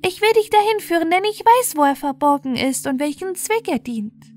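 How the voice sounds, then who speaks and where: A woman voicing a small, grateful talking hare in a fairy tale, in an eager, hurried manner. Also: very high-pitched, lively intonation, darkish tone, voice pushed up.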